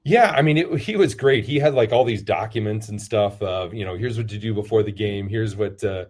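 A priest who serves as a football chaplain answers interview questions in a brisk, low voice with a darkish tone. He rambles in a self-deprecating way, using many fillers.

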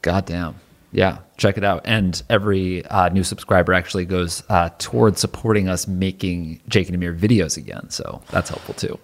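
A man's voice: deep voice, steady tone, normal speed. A man co-hosting a podcast, trading casual comedic banter. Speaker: podcast co-host.

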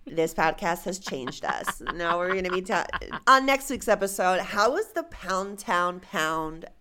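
Animated young woman on a podcast. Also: fairly low pitch, unhurried. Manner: animated storyteller, acts out quotes, rambling tangents. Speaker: podcast co-host. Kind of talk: casual podcast chat.

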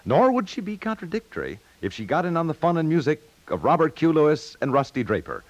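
A man's voice: a little high, big pitch swings, fast, no room sound, dull audio. A man with an American accent reading scripted announcements in the style of 1950s network radio. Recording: dry 1950s radio studio, faint music.

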